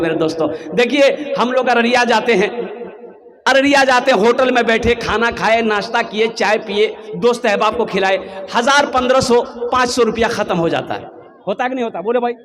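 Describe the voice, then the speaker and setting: High-voiced man preaching to a crowd. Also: moderate pace. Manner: storytelling with sung verses and rousing calls to the crowd. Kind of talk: sermon at a mosque gathering.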